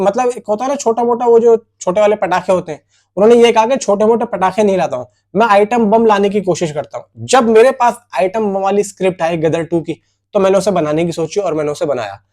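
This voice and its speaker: A man's voice: sits high, darkish tone. A man giving casual film news commentary, chatty and informal, talking straight to his viewers. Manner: informal and chatty, addresses viewers as brother, poses questions and answers them. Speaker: film news video presenter.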